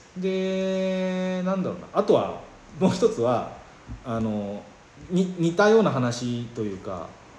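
Audible room echo surrounds a man talking at a fairly slow pace. His pitch is high, with very wide swings. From Tokyo (Shibuya). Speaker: live-stream creator and MC. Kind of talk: casual interview chat.

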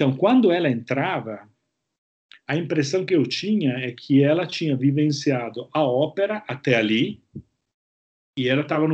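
In an Italian accent, a man talks at a moderate pace with a fairly high pitch. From Italy. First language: Italian (speaking Portuguese). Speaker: opera conductor. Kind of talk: interview. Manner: halting.

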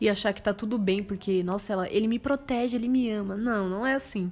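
A woman's normal speaking voice, fairly quick in pace, with fairly even intonation. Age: 20s. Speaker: podcast co-host. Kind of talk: casual chat. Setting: home, on a sofa.

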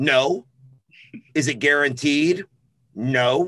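A man with an American accent speaks at a fairly high pitch in a bright, sharp tone. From Texas. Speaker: real estate entrepreneur. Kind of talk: interview. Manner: animated.

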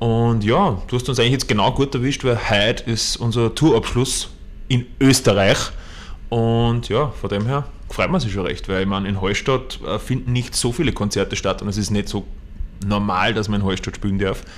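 At a moderate pace, a man with an Upper Austrian accent speaks at a medium pitch with ordinary pitch variation. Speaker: band guitarist and bandleader. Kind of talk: casual interview. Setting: hotel room.

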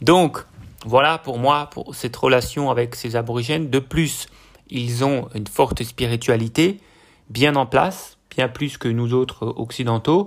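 A man speaks in an unremarkable speaking voice at a medium pitch, with ordinary pitch variation. His pace is fairly slow, and the recording is very clean with a silent background. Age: 30s. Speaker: podcast host, coach and holistic therapist. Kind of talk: solo podcast monologue.

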